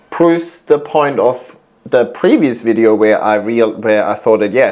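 Against a quiet background, a man speaks at medium pitch. His pace is moderate. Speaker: plant YouTuber; plant channel host. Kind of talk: casual reaction video commentary. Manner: animated. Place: home room. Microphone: lapel.

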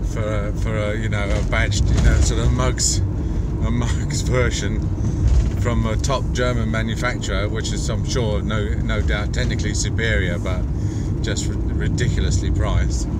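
Loud background noise surrounds a man speaking at a moderate pace. His sound is dry, with no echo. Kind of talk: casual vlog chat. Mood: wry, amused complaining. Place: car. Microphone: phone near.

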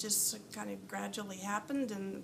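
A woman talks at a moderate pace while noticeable background noise runs underneath. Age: 70s. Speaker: retired nurse practitioner giving testimonial. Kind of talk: testimonial. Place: office. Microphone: phone near.

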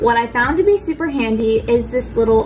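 A woman talks at a fairly quick pace. Light background noise sits under her voice. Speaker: lifestyle vlogger. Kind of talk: casual product tutorial. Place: kitchen. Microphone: phone near.

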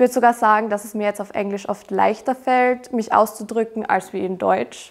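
A woman's fairly high voice, flat and monotone, at a moderate pace against a quiet background. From Austria, Graz; Austria. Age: young (19). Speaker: former au pair. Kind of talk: testimonial. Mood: warm, cheerful. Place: office. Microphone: lapel.

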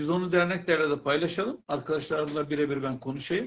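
A man with ordinary pitch variation. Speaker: association federation official; online group host. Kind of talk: casual chat. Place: home room. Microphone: video call.

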